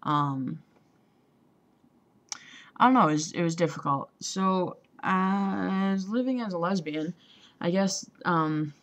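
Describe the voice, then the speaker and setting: A young trans man talking casually to a camera, hesitant, with many ums and pauses, and a voice that still sounds female. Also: high voice, a bit bright. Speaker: vlogger. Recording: dull lo-fi home recording.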